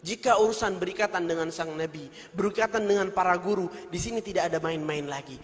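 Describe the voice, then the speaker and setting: A man's voice: high voice, fast talker, big-room sound. A man preaching a sermon, recounting his own childhood stories before he turns to exhorting his listeners. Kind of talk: storytelling sermon.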